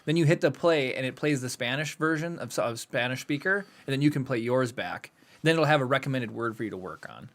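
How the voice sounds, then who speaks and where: A man co-hosting a podcast in casual, animated chat, laughing often as he talks. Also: mid-range voice, a little fast. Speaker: podcast co-host. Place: home studio podcast set.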